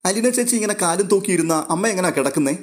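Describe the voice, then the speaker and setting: Storybook figure: man reading caring young woman, gently firm, lightly raised tone, barely acted. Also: a little high, fast talker, lightly acted. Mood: coaxing.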